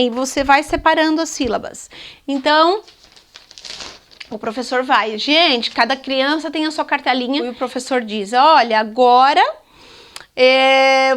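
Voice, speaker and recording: Brazilian woman, high voice, literacy teacher explaining classroom games to colleagues in a chatty, practical tone. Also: a bit bright. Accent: Brazilian Portuguese. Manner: chatty, practical, addresses viewers directly. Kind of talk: instructional talk to teachers.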